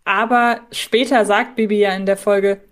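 Casting: female co-host with an average-pitched voice, informal and reflective, thinking aloud in a fan discussion. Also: fairly even intonation, moderate pace. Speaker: podcast co-host.

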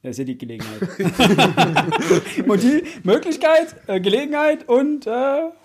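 A young man co-hosting a casual book podcast, talking in a playful, halting way and acting out examples. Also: very high voice, sing-song, slightly rough, soft background music. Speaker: podcast co-host.

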